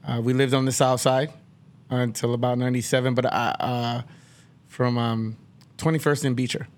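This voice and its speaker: A man's voice: mid-range voice, little pitch movement, moderate pace. A man hosting a casual podcast interview, upbeat and encouraging, often affirming his guest. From New York, raised in Milwaukee. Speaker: podcast host.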